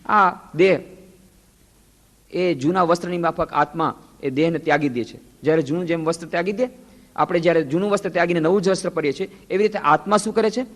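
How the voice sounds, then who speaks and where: A man's voice, a little high for a man, delivers a spiritual discourse in an ashram hall where every phrase trails off in a long reverb. He preaches in a storytelling way and acts out the voices of the people he quotes. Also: quick pace, a bit bright. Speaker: monk giving a lecture series.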